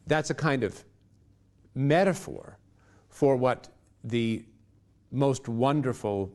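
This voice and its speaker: A man interviewing in a reflective intellectual conversation, feeling his way haltingly through elaborate phrases. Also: mid-range voice, a little mellow.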